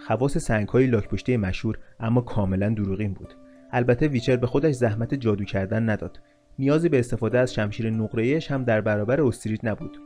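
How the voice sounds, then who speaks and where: A man narrating a fantasy story in a steady, measured reading. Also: medium pitch. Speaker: audiobook narrator.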